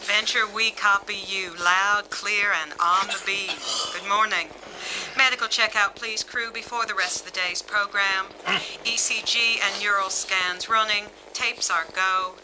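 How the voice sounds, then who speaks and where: An actress playing a mission control operator, heard over a spacecraft radio link and calling the crew in brisk, clipped procedural talk. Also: female voice, mid-range voice, fairly even intonation. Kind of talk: old-time radio drama acting. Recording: hissy old radio broadcast.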